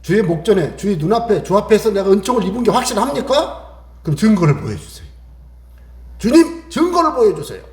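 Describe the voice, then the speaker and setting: A man's voice: high-pitched, animated, quick pace, darkish tone, reverberant. A man preaching a Sunday sermon, acting out prayers and dialogue. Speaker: pastor.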